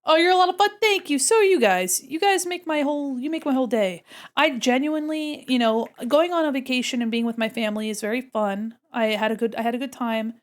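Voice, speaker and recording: A woman with a high voice talks fairly quickly while streaming her art, her nose stuffed up from a cold. She chats casually with viewers as she draws, answering their questions in the chat and murmuring to herself while she works.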